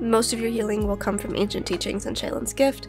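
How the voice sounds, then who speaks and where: Against background music, the talking proceeds at a moderate tempo. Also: woman. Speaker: game guide creator. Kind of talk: video game tutorial narration.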